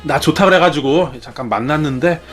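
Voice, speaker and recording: A man's voice: fairly high pitch, fairly quick, a bit bright, faint music behind, lightly acted. A man voicing a boastful, tipsy mortal man who brags to friends about a past affair. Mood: bragging. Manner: swaggering, brash bragging. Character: boastful drunk male mortal lover.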